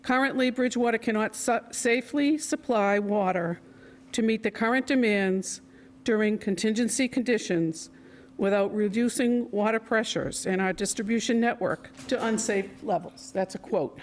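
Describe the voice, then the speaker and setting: A woman with a loud voice giving a prepared public comment at a town council meeting, reading quotes from a report. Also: fairly high pitch, moderate pace. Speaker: resident speaking at public comment.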